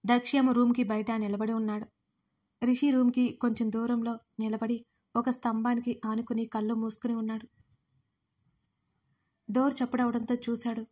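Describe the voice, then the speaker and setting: A woman narrates a romantic audio story in a steady, dramatic reading. Her voice sits on the high side. Her melody stays notably flat and even. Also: normal speed, long pauses.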